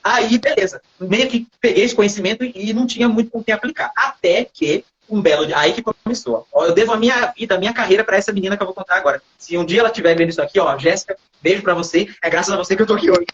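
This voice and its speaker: Brazilian man, high voice, husky, animated storyteller, dull lo-fi audio. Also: fast, hardly any pauses. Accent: Brazilian Portuguese. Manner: animated, acts out quoted dialogue, frequent tag questions. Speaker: hypnotherapist interview guest. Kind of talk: casual storytelling in a livestream interview.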